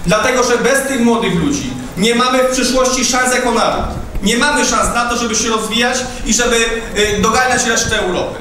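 A man's voice: very high-pitched, a little fast, pushed and bright, distant mic, slight background noise. A man in his thirties giving a rousing campaign speech, addressing the crowd directly. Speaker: politician warming up a rally. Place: hall with audience. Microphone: podium microphone, far camera. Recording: echoey hall, heard from afar.

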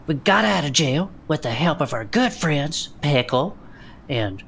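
Low, creaky woman with lively delivery. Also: unhurried, a little hiss or hum. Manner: folksy, conspiratorial. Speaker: co-host and player. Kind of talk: chatty in-character story recap.

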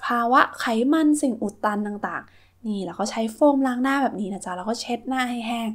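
A woman's voice: fairly high pitch, fairly quick, a bit bright. A woman voicing a caring, reassuring mother in a children's toy story, coaxing and soothing. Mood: soothing, encouraging.

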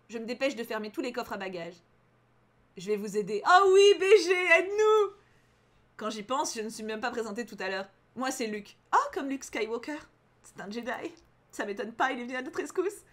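A young woman reading a visual novel aloud as a let's player, animated and often exclaiming in outrage. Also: fairly high pitch.

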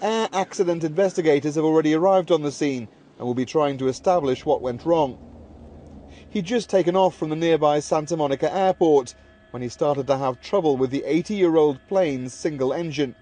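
Male reporter for scripted news voice-over, voice a little on the high side. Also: moderate pace, warm tone, a little hiss or hum.

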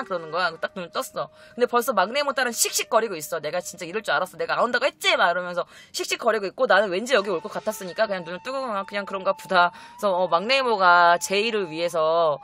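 A young woman casually tells her viewers a personal story, animatedly acting out her relatives in shifting voices as she goes. Her voice is mid-range, with slight background noise and faint music behind.

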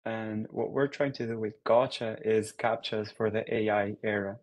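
A man's voice: fairly low pitch, steady tone, moderate pace. A young man from Portugal giving an online research talk over a video call, in a casual, upbeat way with frequent fillers. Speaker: guest speaker.

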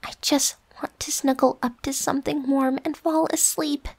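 A woman playing a bossy, defensive but secretly affectionate young roommate in an ASMR roleplay, huffy with breathy whispered asides. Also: high voice, level tone, normal speed. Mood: tired, frustrated.

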